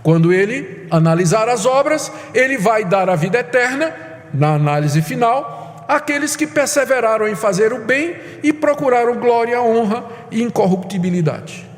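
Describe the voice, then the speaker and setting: A man's voice: extremely high pitch, animated, moderate pace. A man preaching a sermon, emphatic and urgent, repeating phrases for weight. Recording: hall reverb.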